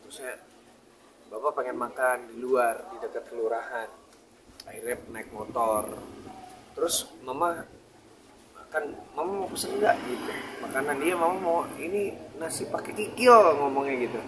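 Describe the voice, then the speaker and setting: A man speaking to a group of reporters in a plain, halting way, repeating words and restarting sentences as he goes. His voice sits at an ordinary middle pitch. Crowd chatter carries clearly behind him. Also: low-quality recording. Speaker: family member speaking to reporters. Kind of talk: answering press questions.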